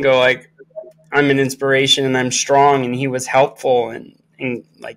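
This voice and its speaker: A man is talking here. His pace is fairly slow. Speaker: fitness channel host or guest. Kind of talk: interview answer, storytelling. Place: home room.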